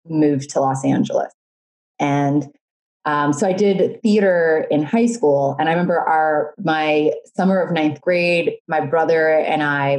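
Young woman guest, low and mellow, chatty storyteller who laughs often. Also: low-quality recording. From Jamaica and Florida. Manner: rambling storytelling with frequent laughs. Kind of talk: casual interview.

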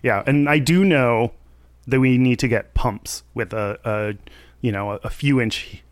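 Hungover male co-host, smooth and dry-sounding, hesitant with nervous laughs. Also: medium pitch, a little slow, no room sound. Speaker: podcast co-host. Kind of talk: casual chat.

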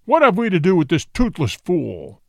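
Guy reading as a big snarling tiger, hateful and bossy, gravelly roar, dry sound. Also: high voice, huge pitch swings, moderate pace, a little mellow, dry recording, full character voice. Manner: roaring, demanding. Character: snarling huge male tiger, hateful, bullying. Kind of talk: storybook reading.

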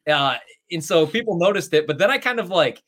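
A man's voice: on the high side, animated, brisk, fairly bright tone. A young man with a Chicago accent co-hosting a betting podcast, rambling and laughing as he talks. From Chicago area. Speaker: sports betting podcast co-host. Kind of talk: casual sports talk.

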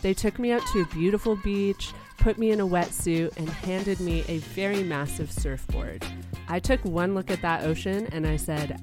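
Female podcast host, lowish pitch, playful and teasing, light music under. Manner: playful, teasing, quick asides. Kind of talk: casual podcast chat.

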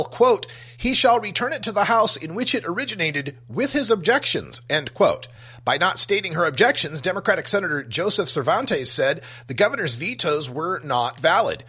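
Man, radio host, scripted headline reading, forceful bright tone, very lively intonation, punchy announcer delivery. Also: fairly high pitch, breathy edge. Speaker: radio talk show host and news reader. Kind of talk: scripted show intro and headline news reading.

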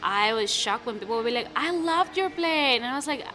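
Bright-voiced young woman, second-language English. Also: on the high side, brisk, faint music behind. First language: not English. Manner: animated, many restarts and fillers. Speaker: playwright guest. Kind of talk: casual interview answers.

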